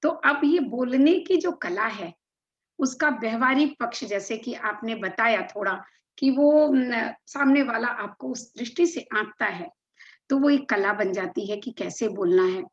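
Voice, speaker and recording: Higher-voiced woman host on a muffled line. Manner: praises the answer, then poses a follow-up. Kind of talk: interview questions. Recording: dull, muffled sound.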